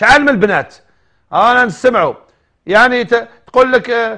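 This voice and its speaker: A man's raised, projected voice, extremely high-pitched, bright and sharp, animated in tone and delivered at a fairly slow pace. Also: quiet background. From Algeria. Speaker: religious radio host answering listener questions. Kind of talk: radio religious advice show. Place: studio.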